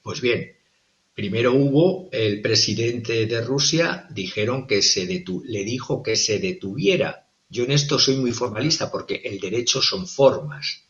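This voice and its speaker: A male political analyst giving formal, methodical commentary, often pausing on "eh" between points. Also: mid-range voice, lively intonation, fairly bright tone, lo-fi sound. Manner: formal and methodical, with frequent hesitations.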